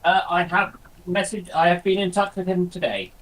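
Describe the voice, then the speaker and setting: Higher-pitched man chatting casually. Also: normal speed, a bit bright, poor audio. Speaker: panelist. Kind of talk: casual discussion.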